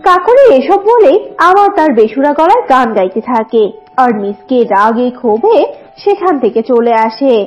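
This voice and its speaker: A woman's voice: sits high, sing-song, normal speed. A woman narrating a scripted cartoon story. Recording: dull lo-fi audio, music behind.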